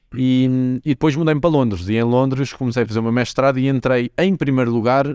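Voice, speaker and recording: In a European Portuguese accent, a man speaks at a medium pitch, with a dry, close sound with no echo on a very clean recording with a silent background. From Portugal. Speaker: streaming industry executive. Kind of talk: podcast interview.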